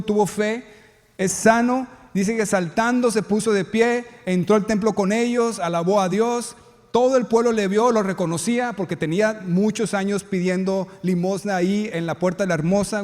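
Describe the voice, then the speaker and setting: A man's voice: high voice, darkish tone, long reverb tail. A male pastor preaching a sermon, telling stories and acting out the characters' lines.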